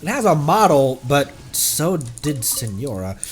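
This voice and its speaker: A man doing casual live gaming commentary as a streamer, talking in an excitable, rambling way. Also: a little high, measured pace, a little hiss or hum. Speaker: game streamer.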